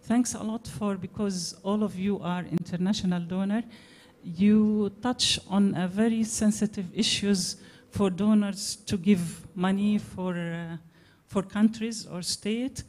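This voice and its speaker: Woman from Palestine, hesitant conference question, mellow warm voice. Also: medium pitch, steady tone, unhurried, few pauses. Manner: hesitant, searching for words. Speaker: audience member asking a question. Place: conference hall.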